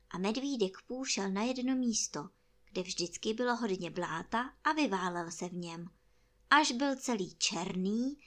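Bright, lively woman reading a children's story. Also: medium pitch.

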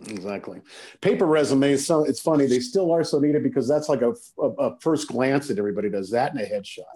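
A man speaks as an actor guest in a relaxed interview. His voice is mellow and warm at a middle pitch, and he tells stories with emphasis. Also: a little fast. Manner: emphatic, anecdotal storyteller. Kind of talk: casual chat.

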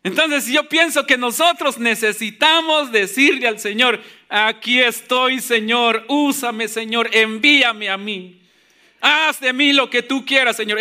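Guy preaching at church, slow and repetitive, asks the congregation stuff, super bright sharp voice. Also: very high-pitched. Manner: repetitive, rhetorical questions to the congregation, calls them brothers. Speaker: pastor. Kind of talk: sermon. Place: church service.

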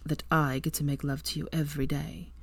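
Lady reading as a brooding young wizard guy, low and hushed, deep dry voice. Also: level tone, fairly quick, creaky, breathy edge, no room sound, exaggerated voice. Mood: low, possessive. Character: young adult male wizard, protective and possessive.

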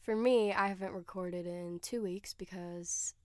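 A woman's voice: fairly low pitch, steady tone, measured pace, no room sound, clean studio sound. A young woman hosting her own podcast, talking casually and chattily with lots of fillers, sounding a little nasal and stuffy from a cold. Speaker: podcast host. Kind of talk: casual solo podcast chat.

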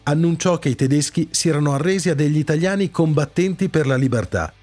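A man's voice: a little high, fast, a little mellow. A man hosting a radio show, reading scripted historical-style narration in the manner of a presenter. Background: background music.

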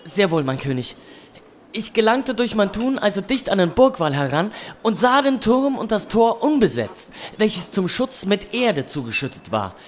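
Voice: medium pitch, big pitch swings, moderate pace, a little hiss or hum, close to an everyday voice. A performer playing a humble, eager medieval army servant boy who reports formally and deferentially to the king in a historical audio drama. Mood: earnest. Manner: deferential, formal, earnest storytelling.

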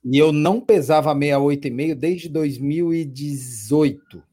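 A man in easy, casual conversation, with a somewhat raised pitch. His voice is husky and mellow. He chats loosely and often repeats words for emphasis. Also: normal speed. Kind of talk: casual chat.

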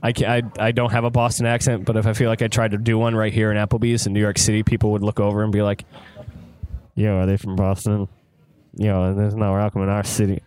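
A man from the United States hosting a casual podcast chat, reacting in a slangy, animated way. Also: lowish voice, fast. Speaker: podcast host. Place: restaurant.

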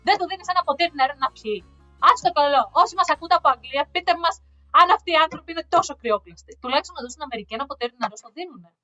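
High, bright-voiced woman telling animated stories. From Greece. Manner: animated storyteller, laughs often. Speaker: podcast co-host. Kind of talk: casual chat. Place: living in the United States. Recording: slightly dull lo-fi sound with faint music.

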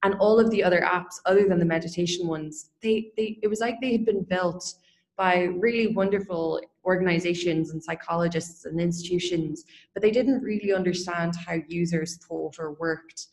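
A woman's voice: fairly low pitch, fairly even intonation, normal speed, darkish tone. A young woman speaking as an interview guest, earnest and open, talking freely about her work. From Ireland. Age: young adult. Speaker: guest, company founder. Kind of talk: casual interview talk.

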